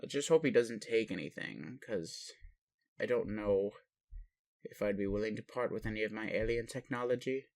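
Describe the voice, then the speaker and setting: A man playing a gentle, puzzled alien daddy in an intimate roleplay audio, indulgent and bemused, with questioning hesitations. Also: on the low side, normal speed, gravelly, no echo. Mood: playful, bemused. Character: gentle, puzzled alien daddy, adult male spaceship commander. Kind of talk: intimate roleplay audio, speaking to one listener.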